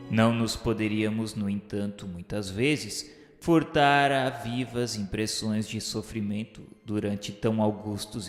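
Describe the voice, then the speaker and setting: Radio novel narrator, male actor as a mournful Brazilian male spirit; stately, unhurried literary delivery, mid-pitched, in a long reverb. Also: close to an everyday voice. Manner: grave, declamatory, measured literary diction. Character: solemn, sorrowful male spirit recounting his afterlife trials. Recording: echoey reverberant voice over music. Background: music.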